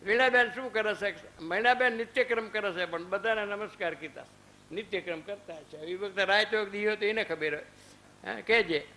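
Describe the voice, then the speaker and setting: In an ashram hall, a man in his fifties gives a religious discourse in a high, sharp voice at a moderate pace, telling stories with quoted dialogue and rhetorical questions. The recording is rough, with a little hiss or hum.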